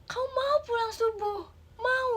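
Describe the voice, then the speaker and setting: A mother whimpers and pleads in a tearful, guilt-tripping voice, as a woman puts her on. She speaks very high and thin. The audio comes from a noisy livestream. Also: fairly even intonation, a little slow, a bit bright. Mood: self-pitying. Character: weepy, self-pitying mother.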